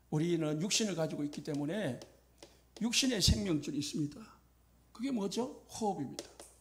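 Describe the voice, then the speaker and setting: A man speaks at a moderate pace with lively intonation, leaving long, frequent pauses in a room with audible echo. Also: fairly high pitch for a man. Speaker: pastor. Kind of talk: sermon. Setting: church.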